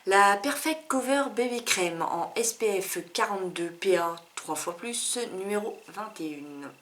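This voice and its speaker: A woman's voice: mid-range voice, a little slow, fairly bright tone. Chatty woman reviewing beauty products. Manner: chatty, candid, many fillers and asides. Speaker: beauty vlogger.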